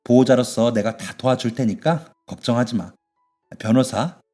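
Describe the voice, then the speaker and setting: A man voicing a tough but caring middle-aged woman who runs a bathhouse, yelling at thugs and fussing over her young worker in a radio story. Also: mid-range voice, moderate pace, soft background music, lightly acted. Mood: doting. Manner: shouting threats, then fussing warmly.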